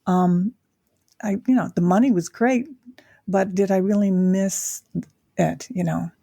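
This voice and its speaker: An older woman from Japan, a guest talking reflectively in a casual interview, pausing often with fillers. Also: medium pitch, steady tone, gravelly, warm tone, no room sound, clean studio sound. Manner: reflective, with frequent pauses and fillers.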